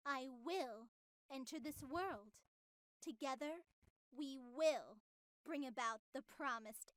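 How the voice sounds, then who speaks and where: A woman's voice: high-pitched, fairly bright tone, dry recording, clean studio sound, full character voice. A woman playing a sinister, coolly menacing female artificial superintelligence in a visual novel, with a grandiose, theatrical, politely threatening manner. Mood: ominous. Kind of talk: scripted visual novel voice acting.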